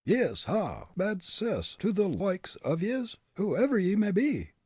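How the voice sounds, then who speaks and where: A man voicing a boastful, quick-tempered, superstitious Irish tramp with an Irish accent, full of indignant exclamations in a storybook reading. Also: a little high, huge pitch swings, dark tone, husky, no echo, clean studio sound, voice pushed up, heavily acted. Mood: angry, blustering.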